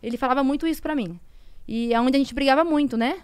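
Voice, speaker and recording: Brazilian woman, 30s, podcast guest; raised pitch, clean voice, very dry close sound, conversational, slips into hushed tones. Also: quick pace, clear, resonant tone, no echo. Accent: Brazilian Portuguese. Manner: conversational, often trailing into soft, hushed tones and frequent tag questions. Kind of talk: emotional personal storytelling.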